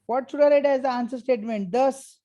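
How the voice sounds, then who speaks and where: Female maths teacher, South Asian accent. Slightly high but soft-edged voice, stern and prodding, questions the class constantly. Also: a little fast. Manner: stern, prodding, repeatedly checks for answers. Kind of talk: interactive maths lesson.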